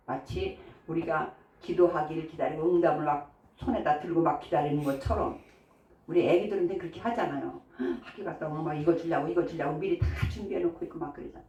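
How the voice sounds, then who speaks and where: A woman's voice: fairly low pitch, a little mellow, highs cut off. A woman pastor giving a sermon in a chatty way, often asking the congregation questions. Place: church sanctuary. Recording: echoey church hall from far off.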